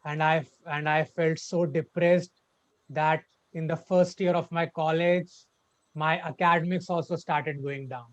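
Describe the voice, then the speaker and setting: A high-voiced young man tells his story slowly, halting and repeating words as he stutters. He speaks over a dull, lo-fi online call. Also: fairly even intonation. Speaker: club speaker. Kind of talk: personal story speech. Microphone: video call.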